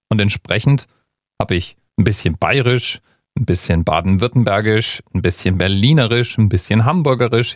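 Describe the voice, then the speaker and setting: Low-voiced man explaining dialects. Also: no room sound, studio quality. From Bavaria. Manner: conversational, explanatory. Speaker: host. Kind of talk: scripted explainer narration.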